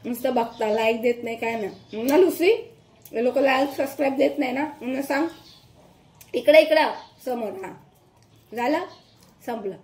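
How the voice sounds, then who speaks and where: A woman's voice: high-pitched, moderate pace, long pauses, a little mellow. A woman talking to her pet dog at home, scolding and coaxing it in a casual, bossy way. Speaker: pet vlogger. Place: home kitchen.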